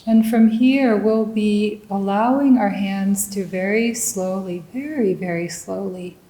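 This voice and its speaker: A woman leading a guided meditation as a teacher, speaking gently and deliberately in short phrases with long pauses. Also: mid-range voice, echoey room, rough recording.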